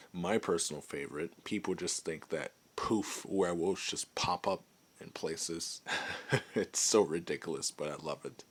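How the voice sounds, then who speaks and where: Male performer as friendly werewolf ex-adventurer for ASMR audio roleplay; deep register, slow delivery, softly amused, conversational. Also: slightly rough. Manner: hesitant, unhurried, softly amused.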